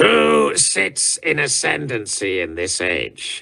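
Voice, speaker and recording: In a put-on character voice, a man speaks very slowly, gravelly and very deep, with lively intonation. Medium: read story. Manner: menacing.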